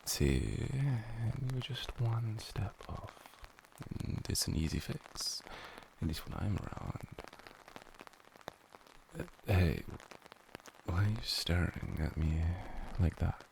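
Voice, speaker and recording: A man acting as a young tutor boyfriend in an ASMR role-play, nerdy and awkward. His voice is very deep and gravelly, and he speaks slowly, stammering as he struggles to keep his composure around someone he is smitten with. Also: very animated, noisy background, full character voice. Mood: patient, nerdy.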